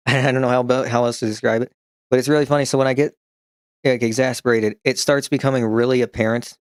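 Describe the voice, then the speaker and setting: A man streaming in a casual chat, telling rambling, profane stories with frequent restarts and chuckling along, who picks up a slight New York twang when he gets excited. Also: mid-range voice, fast talker, clean tone, no echo, studio quality. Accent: slight New York-style twang when excited.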